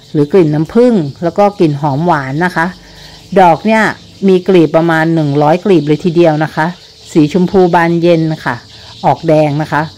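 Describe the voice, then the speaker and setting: Low-voiced woman chatting about roses. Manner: chatty, polite, ends phrases with soft particles. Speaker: gardening channel host. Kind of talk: informal narrated rose guide.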